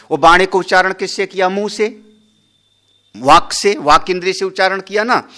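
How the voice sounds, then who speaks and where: A man's voice: high voice, pushed and bright. A man, a Hindu swami, giving a scriptural discourse, explaining a Sanskrit verse word by word and asking and answering his own questions.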